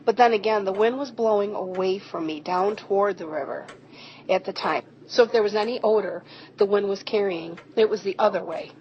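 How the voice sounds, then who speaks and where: A woman's voice: medium pitch, a little fast, natural voice. A woman playing a friendly rural eyewitness in an amateur audio drama, telling things in a folksy, descriptive way. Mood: earnest, awed. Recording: muffled, noisy home recording.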